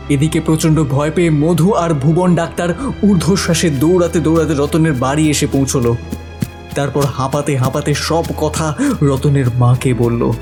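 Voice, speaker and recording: A man narrating a village ghost story in a dramatic scripted style. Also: a little high. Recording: narration over loud music. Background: music with crickets.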